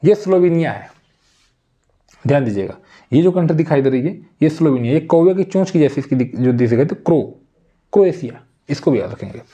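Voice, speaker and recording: Mellow-voiced Hindi-speaking male geography tutor. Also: on the high side, lively intonation, fairly quick. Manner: repetitive drilling, talks straight to viewers. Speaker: geography teacher. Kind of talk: exam-prep map lesson.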